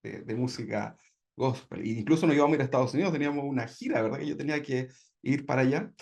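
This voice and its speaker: Speaking fast with vocal fry, this man from Chile shares his testimony as a church member. His pitch is medium and his tone darkish, and he keeps things conversational, frequently tossing in tag questions.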